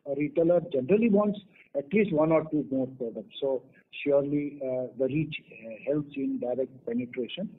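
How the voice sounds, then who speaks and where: Husky executive on a phone line. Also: male voice, medium pitch. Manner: halting, many fillers. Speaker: company executive. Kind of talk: earnings call answers.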